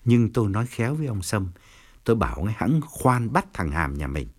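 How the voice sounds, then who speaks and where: A man's voice: big pitch swings, a little fast. A man voicing a domineering middle-aged provincial chairman who scolds and gives orders in an audiobook. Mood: stern. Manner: furious scolding, then lowered calculating tone. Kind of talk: audiobook character reading.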